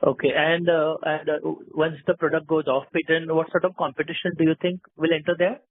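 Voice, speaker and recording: Higher-pitched man on a phone line. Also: level tone, a little fast, breathy edge. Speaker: financial analyst calling in. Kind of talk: asking questions on an earnings conference call. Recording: narrow telephone line.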